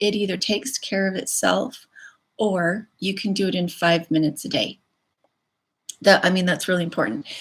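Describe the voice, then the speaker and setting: A somewhat breathy woman's voice with long, frequent pauses. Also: medium pitch for a woman, ordinary pitch variation, moderate pace. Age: 40s. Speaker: homesteader and gardening channel host. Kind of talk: live stream talk with chat. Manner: casual, many filler ums.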